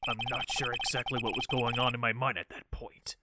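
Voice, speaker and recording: A man playing a bitter, remorseful former defense attorney in a game fan dub, gravelly and brooding, delivering theatrical confessions. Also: medium pitch, little pitch movement, fairly quick, heavy background noise, lightly acted. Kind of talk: dramatic visual-novel game fan dub. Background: loud music.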